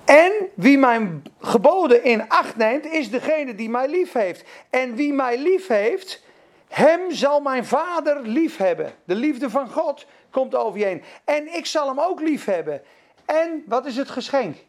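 A man's voice: extremely high pitch, very animated, measured pace. A man preaching a sermon, fervent and emphatic, calling out to his listeners. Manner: fervent, emphatic, acts out dialogues.

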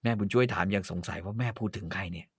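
A man reading a story aloud casually as a podcast host, with lively, expressive narration. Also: low-pitched, rapid-fire, breathy edge, dry recording, clean studio sound.

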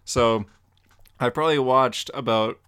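A young man talking casually on a podcast in a relaxed way, joking and laughing as he goes. His voice sits at a middle pitch. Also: a little slow, clean tone. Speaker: podcast co-host and comic artist. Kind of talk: casual chat.

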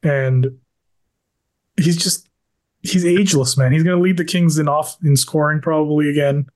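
A man co-hosting a casual sports podcast, talking in an animated way and dropping joking asides. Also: on the high side, moderate pace. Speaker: podcast co-host.

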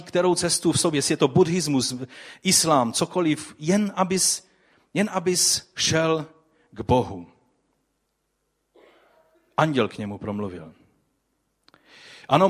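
A man preaching a sermon, telling a story vividly and putting rhetorical questions to his listeners. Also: fairly high pitch. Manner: addresses the audience with rhetorical questions; animated storytelling with swings in loudness.

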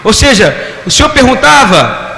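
Male preacher, high voice, interactive call-and-response sermon, long hall reverb. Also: big pitch swings, moderate pace, gravelly, pushed and bright. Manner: interactive, has the congregation repeat phrases; rhetorical questions to the audience. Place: church hall. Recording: echoey hall with long reverb, faint room noise.

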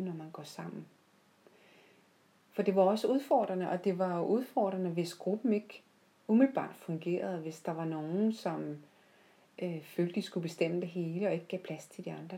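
A woman telling personal stories off the cuff in a heartfelt, reflective way, often pausing mid-sentence. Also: lowish voice, dark tone. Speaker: podcast host. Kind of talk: unscripted reflective personal storytelling.

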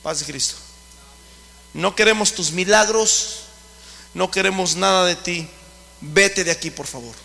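A male pastor, preaching a fervent sermon that rises to shouts. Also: sits high, measured pace, gravelly, pauses often, big-room sound.

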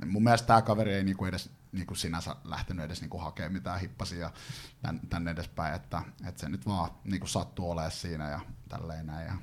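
Very deep-voiced man, halting chat. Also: steady tone, slight background noise. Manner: hesitant, many fillers and restarts. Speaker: fan panel guest. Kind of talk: casual chat.

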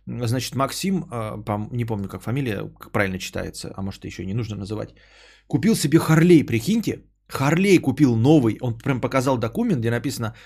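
A man's voice: medium pitch, expressive, fairly quick, creaky, a little mellow, slightly rough. A man hosting a podcast, chatting casually with his live chat in a rambling, profane, worked-up way.

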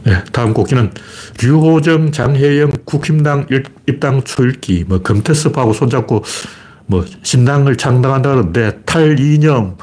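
A man's voice: mid-range voice, normal speed, darkish tone. A middle-aged man hosting a solo political commentary livestream, talking bluntly and colloquially and answering his own rhetorical questions. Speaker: livestream host.

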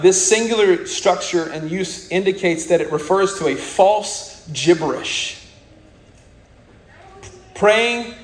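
A man from America preaching with fiery, scornful conviction. His voice sits high, and he drags out his punchlines for weight. The sound rings around an echoey room. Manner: fiery, blunt, scornful preaching with sudden slowdowns for emphasis. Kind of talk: sermon.

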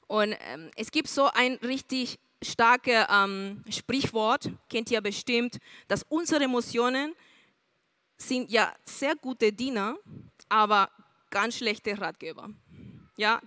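A woman's voice: a little high, a bit bright, dry recording. A woman preaching a sermon in an earnest way, speaking straight to her listeners with questions.

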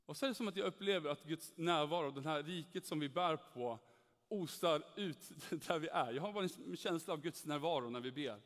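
An earnest young man tells a personal faith testimony and acts out the voices in his story. His voice sits fairly high. It rings with the long reverb of a hall. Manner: earnest, animated, acts out dialogue. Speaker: speaker giving a testimony.

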